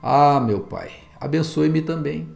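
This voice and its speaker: A wronged elder son pleads with a bitter edge , as a Brazilian pastor reads him, his voice climbing higher. The tone stays gravelly, with a Brazilian accent. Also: animated, takes it slowly, darkish tone, faint music behind, full character voice. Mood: pleading. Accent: Brazilian Portuguese.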